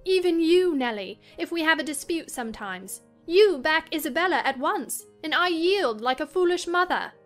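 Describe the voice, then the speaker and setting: This is a woman acting a willful, excitable young gentlewoman in a dramatized storybook reading. The voice is high and the delivery emphatic and self-assured. Soft music plays underneath. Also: moderate pace, few pauses. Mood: proud, insistent. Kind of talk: dramatized audiobook reading of a classic novel.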